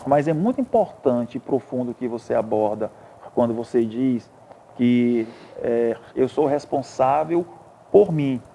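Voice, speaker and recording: A man's voice: medium pitch, lively intonation, unhurried, vocal fry, mellow, a little hiss or hum. A man hosting a TV studio interview, who affirms the guest's points and adds his own reflections. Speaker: host.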